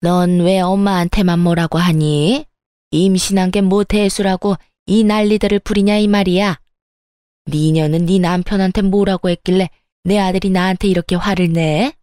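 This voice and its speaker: Voicing a spiteful middle-aged mother-in-law in a dramatized story, a woman drops her natural voice lower, drawing out sneering, accusing scolding lines at a moderate pace with fairly even intonation. The tone is mellow and dark, recorded dry and close with no room sound.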